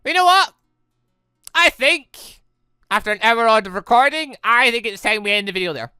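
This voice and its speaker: A man with a bright, clear voice hosts a casual let's play. His pitch swings widely as he rambles along excitably. The delivery is informal and conversational. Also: normal speed, no room sound, studio quality. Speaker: gaming video host.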